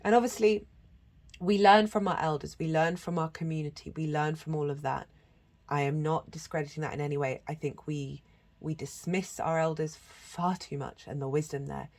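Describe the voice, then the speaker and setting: A tarot reader with a cold, her voice low, steady, and somewhat dark, channels a reading at a normal pace. She is earnest and meandering, often restarting and slipping into chanted syllables.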